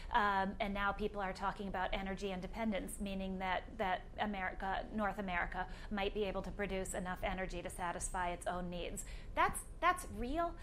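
A soft-voiced woman answers questions as an author before a live audience. She speaks into a stage microphone at a middling pitch and weighs her words, often restarting mid-sentence. A faint hum of the hall sits behind her. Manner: thoughtful, with frequent fillers and restarts. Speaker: author being interviewed. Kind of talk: live public conversation.

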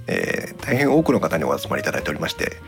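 A man's voice: rumbling low, big pitch swings, fast talker, over music. A man hosting a casual podcast, mixing polite announcer-like phrasing with joking small talk. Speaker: podcast host.

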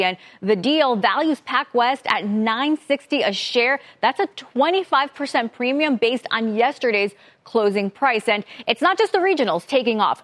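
A woman reading a scripted financial news report. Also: fairly high pitch.

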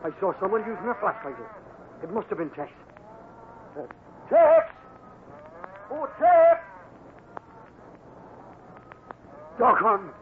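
An actor playing a folksy, excitable cowhand sidekick in an old-time radio Western. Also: male voice, high voice, measured pace, long pauses. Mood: alarmed. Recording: tinny, hissy vintage radio recording.

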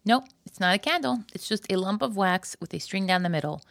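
A woman reading the part of a wise, solemn male rabbi in a story, measured and instructive. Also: mid-range voice, lively intonation, vocal fry, a bit bright, no room sound. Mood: solemn, teaching.

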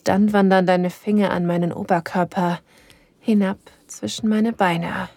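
Young eager lover, audio drama, husky, gravelly, breathy whispered narration. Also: female voice, medium pitch, fairly even intonation, unhurried, mellow, no echo. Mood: aroused. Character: young adult woman lover, eager and submissive. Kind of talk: first-person intimate audio drama narration.

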